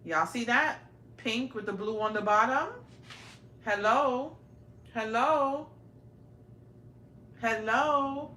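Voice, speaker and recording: A woman's voice: on the high side, slow pace, long pauses, sharp tone. A woman in her forties, raised in Brooklyn, hosting a casual live-stream tour of her home and chatting straight to her viewers on a handheld phone. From raised in Brooklyn, New York. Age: 40s. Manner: chatty, keeps addressing viewers directly. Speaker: livestream host. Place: indoor home, small rooms. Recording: roomy home audio, faint noise.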